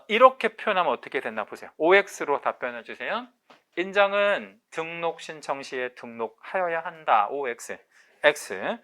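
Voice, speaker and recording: A man's voice: fairly high pitch, a bit bright. A male lecturer teaching an online exam-prep class, quizzing his students with questions and drilling key terms by repeating them. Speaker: real estate agent exam lecturer.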